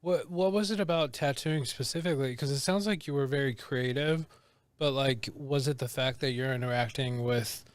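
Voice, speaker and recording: A man's voice: mid-range voice, normal speed, clean tone, no echo. A man co-hosting a casual interview, reacting often and asking questions with enthusiasm. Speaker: podcast co-host.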